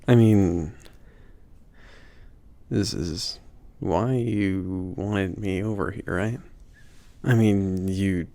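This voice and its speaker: Guy doing a chill teasing wizard shopkeeper for asmr, soft murmury reassuring talk, real gravelly fry, takes his time. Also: sits low, drawn-out words, long pauses, dry recording, exaggerated voice. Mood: casual, teasing. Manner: hesitant, murmured, reassuring, chuckling. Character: laid-back, gently teasing male mage, potion shop owner. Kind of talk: ASMR roleplay, intimate one-sided conversation.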